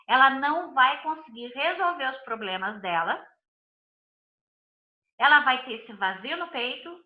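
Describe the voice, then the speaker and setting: A woman with a Brazilian Portuguese accent teaches viewers in a live session, stressing her points through long repeated lists. Her voice is high and bright. The room around her is noticeably echoey. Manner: emphatic, repetitive lists of phrases. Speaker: body and behavior analyst. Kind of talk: live online talk to viewers.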